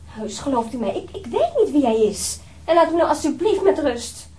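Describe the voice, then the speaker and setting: A high-pitched, defensive woman, evasive and halting in a radio drama. She sounds guarded, set back from the microphone in noisy ambience. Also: lively intonation. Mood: indignant, anxious. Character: defensive, evasive young waitress hiding something. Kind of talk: Dutch radio drama acting. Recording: distant from mic, noisy room ambience.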